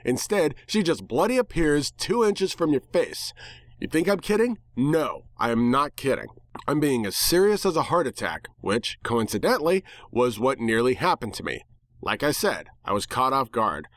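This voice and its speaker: A man giving a dramatic first-person reading of fan fiction, sardonic and expressive. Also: mid-range voice, moderate pace, dry recording.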